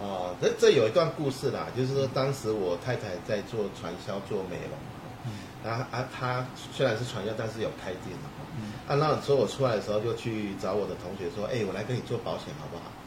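With audible room echo and noticeable background noise, a man speaks at a fairly quick pace and medium pitch, using ordinary pitch variation. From Taiwan, Kaohsiung. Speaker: beauty spa chain owner. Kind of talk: livestream interview.

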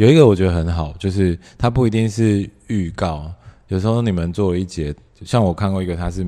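Here a man talks at a fairly quick pace. His pitch is very deep and low, with ordinary variation. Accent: Taichung. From Taiwan, Taichung. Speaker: retail staff at a scooter company, writer. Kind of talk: casual chat. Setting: recording on location in a basement.

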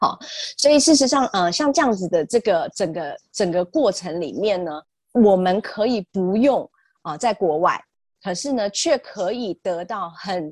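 A woman talks at a medium pitch and a fairly slow pace. Her pitch swings very widely, and the sound is dry and close with no echo. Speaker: English teacher and education professor. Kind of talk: online seminar talk. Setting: online webinar.

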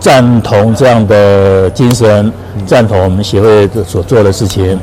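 Fairly even intonation marks this man's speech. Noticeable background noise and audible room echo surround it. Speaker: association chairman. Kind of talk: interview.

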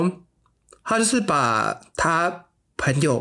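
A man speaks in an animated tone at a high pitch. His pitch swings very widely. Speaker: podcast host. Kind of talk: casual chat, storytelling. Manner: animated, talkative.

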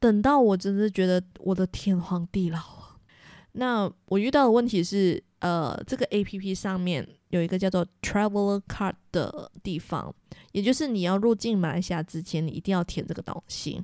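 A woman with a medium pitch and a dark, mellow tone talks at a moderate pace with ordinary pitch variation, in a dry, close recording with no echo that is very clean against a silent background. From Malaysia. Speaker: podcast host. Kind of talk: casual monologue. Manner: animated.

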